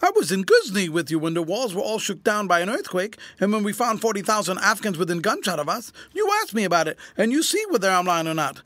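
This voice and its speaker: A man voicing a rough, blunt old ex-soldier turned beggar who whines and wheedles. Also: high-pitched, very animated, quick pace, few pauses, fairly bright tone, no echo, pitched above the performer's own voice. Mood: whining. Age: older. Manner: rough, blunt talk turning to whining begging.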